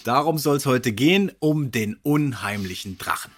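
A man's voice: mid-range voice, animated, normal speed, soft background music. A man hosting a podcast, chatting casually and reading bits aloud. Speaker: podcast host.

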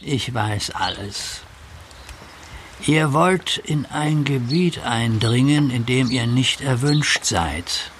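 Slow, solemn old man of warning. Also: medium pitch, expressive, a bit bright, slight background noise. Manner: slow, deliberate delivery. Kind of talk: German audio drama acting.

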